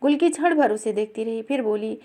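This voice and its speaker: Woman narrator, slightly high voice, expressive story reading. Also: a little fast. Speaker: story reader.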